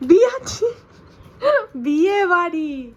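Young mother, high voice, sweet baby talk, home vlog chat. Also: very animated, slow pace, dull audio. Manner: affectionate baby talk to her toddler. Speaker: vlogger mother. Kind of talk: casual family vlog chat.

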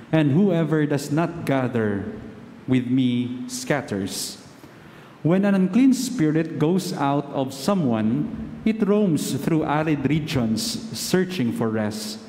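Solemn priest in cathedral echo. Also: male voice, medium pitch, expressive, mellow. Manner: measured, deliberate phrasing. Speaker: priest reading the Gospel at Mass. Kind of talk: solemn scripture reading. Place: large basilica sanctuary. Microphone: gooseneck lectern microphone. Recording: cathedral echo, long reverb, faint noise.

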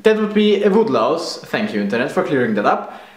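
A man's voice: fairly high pitch, very animated, fairly quick, echoey room. A young man in his twenties with a German accent, playful and self-mocking as he answers questions in a casual video. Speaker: vlogger. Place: room indoors. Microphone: camera at close range.

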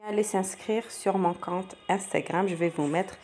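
A woman's voice: lowish voice, steady tone, measured pace, a little mellow, faint music behind. A woman explaining a primary-school practice exam step by step to children, patiently repeating each question before answering it. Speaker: teacher going over a practice exam. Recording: faint background noise.

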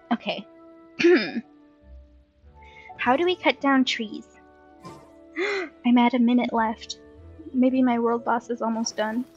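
A high-voiced woman hosts a casual let's play, murmuring her thoughts and breaking into playful exclamations. Her microphone sounds slightly dull, and game music plays behind her. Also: takes it slowly, pauses often. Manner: playful, exclaiming, mutters to herself. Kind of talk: casual gaming chat, thinking aloud.

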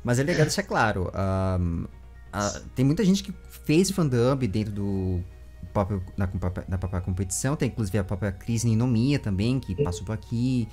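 A Brazilian man in his twenties hosting a casual interview, speaking in a halting, rambling way into a close desk microphone. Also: fairly low pitch, lively intonation, a little mellow, soft background music. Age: 20s. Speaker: interview host. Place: small home room with bookshelves, indoors. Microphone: large desk microphone with foam cover, close.

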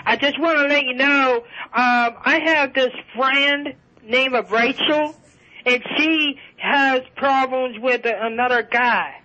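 Halting radio show caller on a dull phone line. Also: male voice, very high-pitched, fairly even intonation, sharp tone. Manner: halting, rambling, many restarts and fillers. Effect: caller heard over a phone line.

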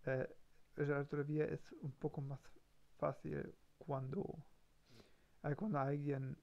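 A man practicing a language he is learning, talking haltingly with many restarts and self-corrections during a live-streamed lesson. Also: on the high side, level tone, gravelly, muffled recording.

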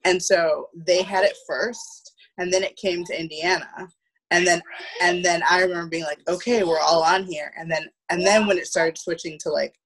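A woman in her thirties telling stories casually on a video call from home, often halting and repeating the starts of words. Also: on the low side, fairly even intonation, poor audio. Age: 30s. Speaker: guest, theatre producer. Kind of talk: casual storytelling in conversation. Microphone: video call, wearing headphones.

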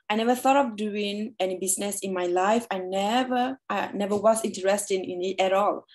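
A young woman from Sweden giving an informal personal testimonial on a video call in a halting, hesitant manner. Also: medium pitch, a little mellow. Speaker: seminar speaker.

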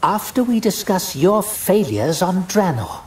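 A man's voice: high-pitched, big pitch swings, unhurried, a little mellow, distant mic, voice pushed up. A man voicing a stern, accusing female warden in a fantasy audio drama, cold, clipped and formal.

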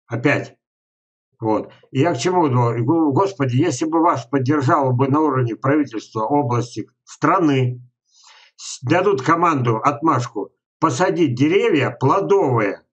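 A man in his sixties hosting a webinar, commenting casually during a phone call in a halting, rambling way. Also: medium pitch, slightly rough. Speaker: webinar host. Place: indoors at a home computer. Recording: slightly dull, lo-fi computer audio.

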